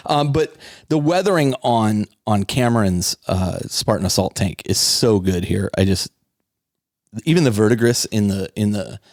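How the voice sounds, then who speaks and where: A man's voice: fairly low pitch, expressive, moderate pace, a little mellow, dry recording, clean studio sound. A man co-hosting a casual hobby podcast, talking enthusiastically with frequent laughs and rambling restarts. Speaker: podcast co-host.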